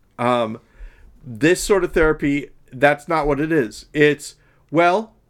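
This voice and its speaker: This man has an unremarkable speaking voice with fairly high pitch, and he talks at a fairly slow pace. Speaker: podcast co-host. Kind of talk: casual chat. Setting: remote call from basement.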